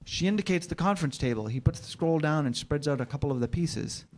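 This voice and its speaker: A man's voice: fairly high pitch, expressive, quick pace. A man giving scripted narration, reading out stage directions at a staged screenplay reading.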